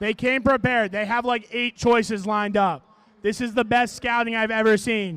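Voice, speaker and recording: The voice is loud and moves at a moderate pace. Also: man, high pitch for a man. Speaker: robotics competition emcee. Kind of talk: live event announcing. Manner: animated.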